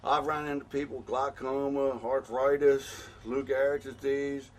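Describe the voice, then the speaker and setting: A middle-aged American man speaks in a plain, mid-pitched voice, blunt and worked up. He pleads and scolds by turns, stumbling over words and starting again, like a regular guy making a heated appeal. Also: level tone, a little slow, a little hiss or hum. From United States. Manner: blunt, angry, pleading, with many restarts. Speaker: patient advocate. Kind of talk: impassioned spoken appeal.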